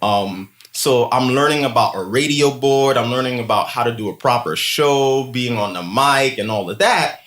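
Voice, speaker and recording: A man's voice: medium pitch, moderate pace, hardly any pauses. A man in his thirties with a Haitian accent, a guest telling stories in casual interview chat, laughing often and using lots of "like" fillers. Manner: animated storyteller, laughs often, many "like" fillers. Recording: echoey room.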